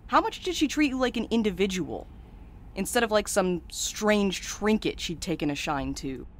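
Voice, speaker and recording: A woman's voice: medium pitch, animated, normal speed, a little hiss or hum, close to an everyday voice. An actress playing a blunt, sardonic, jaded woman courier in a naturalistic audio drama. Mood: heated, critical. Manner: sardonic, hard-edged and blunt.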